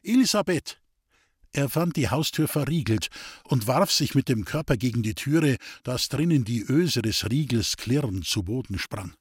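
Husky man reading a classic story. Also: mid-range voice, moderate pace, no room sound, clean studio sound. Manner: steady storytelling. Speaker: audiobook narrator. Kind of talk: scripted narration of a classic novel.

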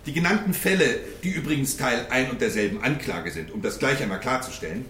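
A pedantic, argumentative defense lawyer, played by a man in a radio drama. He piles up clauses in an indignant tone at a medium pitch. His voice rings in a roomy courtroom echo with faint noise underneath. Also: animated, fairly quick, a bit bright, lightly acted.

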